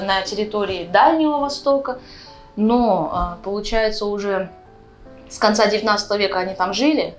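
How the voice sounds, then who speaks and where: Female guest, 20s, from Uzbekistan, medium pitch, conversational explainer style, light music bed. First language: Russian. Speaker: guest, vlogger. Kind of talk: casual explanatory chat.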